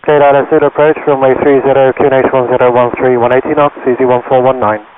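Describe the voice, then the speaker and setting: Male pilot on radio comms. Brisk, terse readbacks through a narrow, faintly noisy channel. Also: mid-range voice, fairly even intonation. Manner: pilot over the radio, terse procedural phrasing. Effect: aviation radio. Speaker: aircraft pilot. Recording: phone-like radio band, faint noise, clicks.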